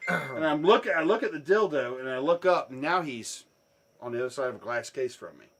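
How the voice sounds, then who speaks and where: A man spins a profane story in casual conversation, his voice dropping to a hush and then bursting out loud. He speaks in a slightly higher register, with animated swings in pitch. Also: a little fast, a little hiss or hum. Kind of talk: casual anecdote telling.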